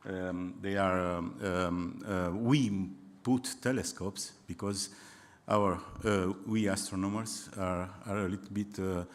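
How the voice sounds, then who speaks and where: Delivering an English-language public talk on astronomy, the Romanian-accented man has a low voice and fairly even intonation. Romanian is his native tongue, and he frequently stops and starts over as he hunts for words.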